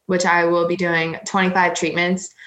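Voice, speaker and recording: A woman's voice: on the low side, monotone, normal speed, fairly bright tone. A 21-year-old woman speaking candidly as an interview guest, rambling with many fillers. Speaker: interview guest, college swimmer. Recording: roomy echo.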